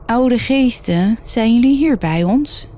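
Man leading a séance, slow and solemn, mellow tone, read by a woman narrator. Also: a little high, animated, voice pushed up.

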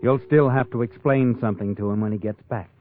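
A man's voice: mid-range voice, fast talker, close to an everyday voice. An actor playing a sly, ominous male narrator who taunts a guilty man in a 1940s radio drama. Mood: insinuating. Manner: insinuating, taunting tag questions. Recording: tinny vintage radio broadcast. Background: dramatic music.

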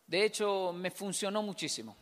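A man's voice: high voice, normal speed, fairly bright tone, big-room sound. A man performing a stand-up comedy monologue, joking, laughing at his own lines and acting out other people's voices. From Colombia.

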